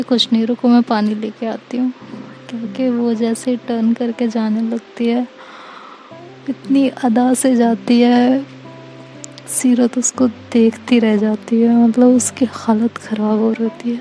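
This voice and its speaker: A woman telling a romantic story in a relaxed, conversational way, narrating plainly between the characters' lines. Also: on the high side, measured pace, rough recording. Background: faint music.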